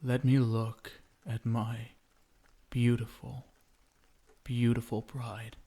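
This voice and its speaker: A man playing a possessive, sinister yet doting vampire husband in an intimate ASMR roleplay, coaxing with endearments and lingering pauses. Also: mid-range voice, level tone, warm tone, husky. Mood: smug, savoring.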